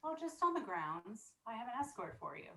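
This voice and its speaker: Woman as a bright, high-voiced hospital nurse. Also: sing-song, fairly quick, exaggerated voice. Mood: gentle, coaxing. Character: polite, coaxing female psychiatric nurse. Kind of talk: virtual table read of a screenplay.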